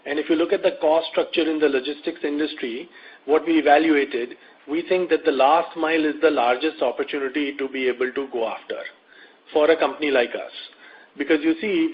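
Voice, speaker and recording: A male company executive with a fairly high voice explains business matters on an investor call. He is measured and methodical, laying things out step by step. The audio is muffled, like a conference line.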